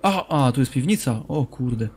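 A man's voice: medium pitch, animated, normal speed, a little mellow, a little hiss or hum. A young man commentating a horror game as a streamer, joking, talking to the game's characters and dropping English phrases. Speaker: gaming streamer.

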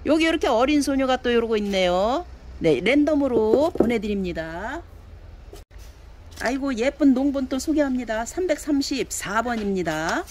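A woman's voice: fairly high pitch, a little mellow, slight background noise. A woman selling handmade plant pots online, chatting casually as she shows and measures each one and coaxes viewers to order. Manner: chatty, fills talk with pointing words, coaxing buyers. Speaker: online pot seller. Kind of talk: casual product showcase.

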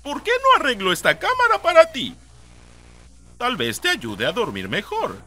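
A man with a Latin American Spanish accent voicing an eerie, coaxing sleep fairy creature in a sing-song, cloyingly friendly way for an animated horror short. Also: very high-pitched, normal speed, voice pushed up, exaggerated voice. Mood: luring.

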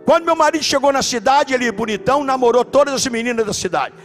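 Brazilian male pastor, very high voice, lively sermon with shouted emphasis, faint music under it. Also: fast talker. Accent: Brazilian Portuguese. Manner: animated preaching, shouts for emphasis. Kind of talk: sermon with storytelling. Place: church.

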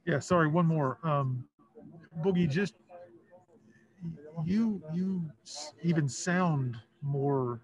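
A man, a sports reporter, asking slow, hesitant questions with many fillers at a press conference. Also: fairly high pitch, low-quality recording.

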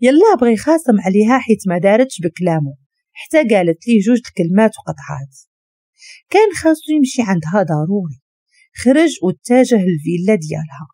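A woman's voice: mid-range voice, big pitch swings, quick pace, mellow, dry recording, clean studio sound. A woman with a Moroccan accent narrating a story steadily and expressively.

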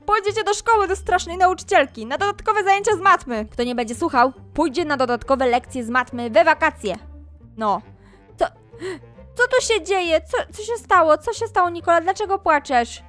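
A woman's voice: very high-pitched, animated, moderate pace, fairly bright tone, faint music behind. A woman commenting on a game as she role-plays a mom scolding her kids, with asides to viewers. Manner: addresses viewers directly. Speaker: Roblox gaming YouTuber playing a mom. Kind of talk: roleplay gameplay commentary.

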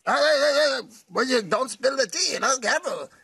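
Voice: sits high, expressive, fairly quick, creaky, sharp tone, a little hiss or hum, exaggerated voice. A performer voicing a jittery French Canadian cartoon gorilla who stutters and repeats words in bursts. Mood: pleading. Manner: stuttering, repeats words, tags with "you know".

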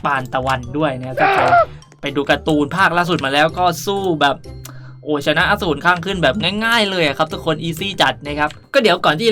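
Bright-voiced young man, chatty gaming host. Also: on the high side. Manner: rambling, playful, chatty. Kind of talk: casual game tutorial commentary.

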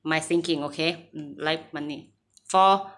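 A woman in her forties with a Thai accent, talking haltingly to camera in English, with many fillers and restarts. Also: sits low, steady tone, fairly bright tone. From Thailand. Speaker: vlogger. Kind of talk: casual talk to camera. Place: small room indoors.

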